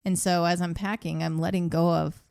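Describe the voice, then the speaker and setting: A woman's voice: lowish voice, little pitch movement, moderate pace, creaky, a little mellow, dry recording, clean studio sound. A woman co-hosting a podcast in casual chat, candid and rambling, laughing often. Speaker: podcast co-host.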